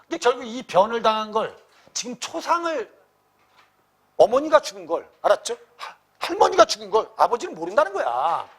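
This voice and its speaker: Lively blunt Korean literature tutor, man. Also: sits high, moderate pace, slightly rough. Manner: animated, blunt, slangy teacher voice with frequent check-ins to students. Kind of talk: lecture explaining a classical novel passage.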